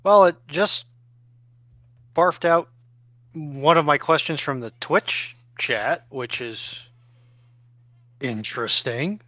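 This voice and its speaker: Guy w a highish sharp voice on a muffled lo-fi mic, no echo, just chatting casually. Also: slow, long pauses. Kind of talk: casual chat. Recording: dull, lo-fi dry microphone.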